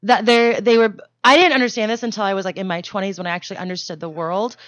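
Casting: woman podcast co-host, mid-pitched, profane and animated, dry close sound. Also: no room sound, dull audio. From Denmark. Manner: fast, profane and animated storytelling. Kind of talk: casual comedic chat.

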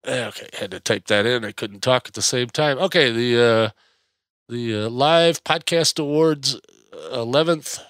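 A man's voice: medium pitch, a bit bright, no echo, studio quality. A middle-aged American man chatting casually on a solo podcast, rambling and hesitant in a folksy way, slightly nasal from mild congestion. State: mildly congested. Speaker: podcast host.

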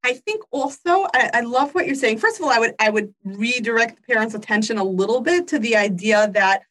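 A woman's voice: fairly high pitch, expressive, fairly quick, a bit bright. A woman hosting a parenting conversation who reads a listener's question and then chimes in playfully, acting out how parents talk to children. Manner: enthusiastic, playful, acts out kids' voices. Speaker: podcast host reading listener questions. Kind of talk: casual conversation.

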